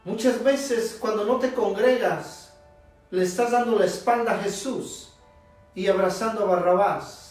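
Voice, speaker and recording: A man preaching a sermon as pastor, emphatic and leaning on long pauses. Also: sits high. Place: church sanctuary. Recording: echoey church, distant mic, soft instrumental music.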